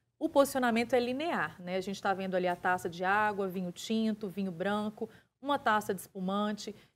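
A woman speaks with a Minas Gerais accent at a medium pitch. Her pace is fairly quick, with ordinary pitch variation. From Brazil, Minas Gerais (Governador Valadares); Minas Gerais, Brazil. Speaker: table decor entrepreneur; guest. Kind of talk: TV interview, explaining tips. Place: studio.

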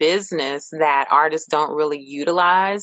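With a very deep, low pitch, a woman talks at a moderate pace, the sound dry with no echo over a quiet background. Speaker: social media marketing specialist. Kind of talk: casual interview. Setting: video call. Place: home room. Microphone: video call.

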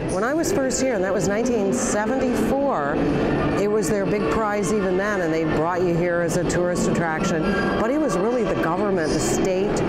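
A woman keeps a moderate pace despite loud background noise. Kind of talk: casual travel chat. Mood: nostalgic, amused. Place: hall.

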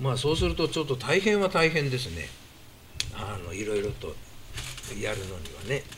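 Through noticeable background noise, a man's pitch swings very widely as he takes long, frequent pauses. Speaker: talk show host. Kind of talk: casual interview chat. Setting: studio. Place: studio. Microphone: studio mic.

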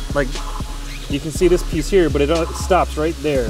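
A man's voice is heard with clear music in the background, the sound dry with no echo. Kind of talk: walkthrough commentary. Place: garage.

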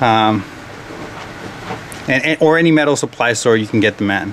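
Someone talks at a moderate pace with light background noise. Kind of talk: tutorial. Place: street.

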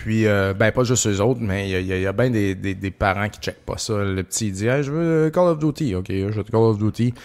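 In a normal speaking voice, a man talks at a fairly quick pace with hardly any pauses, his fairly low pitch showing ordinary variation. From Quebec, Beauce. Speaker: retro gaming bar owner and father. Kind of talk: casual chat.

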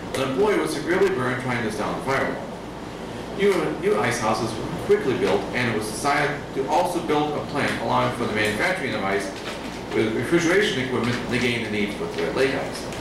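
A man talks at a very fast pace. His voice carries audible room echo and noticeable background noise. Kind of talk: reading of a written local history piece. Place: cafe.

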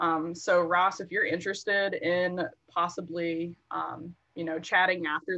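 Against a quiet background, a woman with a fairly low pitch speaks in a bright, sharp tone with monotone, flat intonation. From Mississippi Gulf Coast; Mississippi. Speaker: extension educator presenting training. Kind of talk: online training presentation. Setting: video call. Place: home room. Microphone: video call.

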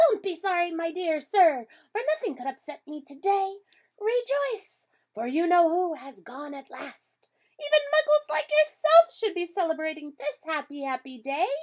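Someone performs a put-on character voice at a moderate pace. The sound is squeaky and pitched extremely high. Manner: gleeful, overjoyed.

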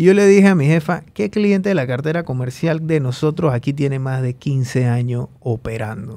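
The speaker is a man with a dark, mellow tone and fairly high pitch. He talks at a moderate pace with lively intonation. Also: hardly any pauses. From Panama. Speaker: podcast host. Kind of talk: casual chat. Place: studio. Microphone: studio mic.

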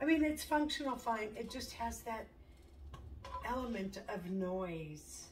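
At a fairly slow pace, a woman talks over light background noise. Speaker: home cook vlogger. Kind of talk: casual vlog chat. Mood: cheerful, relaxed. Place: kitchen.

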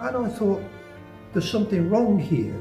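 A man with lively intonation, clear music in the background, and audible room echo. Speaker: charity fundraiser walker. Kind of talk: interview answer. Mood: earnest, encouraging. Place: open country.

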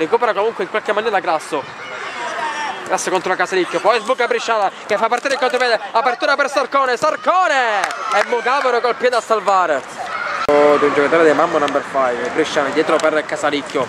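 Over crowd noise in the background, a man talks at a very fast pace in an excited tone, his pitch swinging very widely. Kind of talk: live sports commentary, play-by-play of a match. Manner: rapid-fire, excited, rattling off player names and passes in a breathless rush.

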